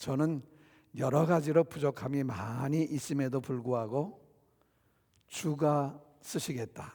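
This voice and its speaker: At a very slow pace, the voice carries a dark, mellow tone. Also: man. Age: 70s. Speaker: pastor. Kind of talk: sermon.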